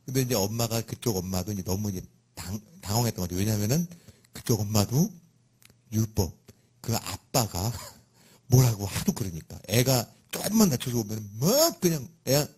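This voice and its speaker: A middle-aged man preaches a sermon in a fairly low, husky voice. He tells a personal story in a lively way. His voice often leaps up high and loud for emphasis. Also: moderate pace. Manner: animated storytelling with sudden loud emphatic rises. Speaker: pastor.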